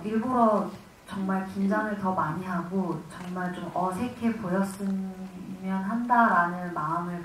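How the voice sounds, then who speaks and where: Woman in a very echoey, distant hall. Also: fairly low pitch. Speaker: film actress at press conference. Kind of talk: reflective press conference answers. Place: cinema auditorium. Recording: echoey hall, distant mic, faint noise.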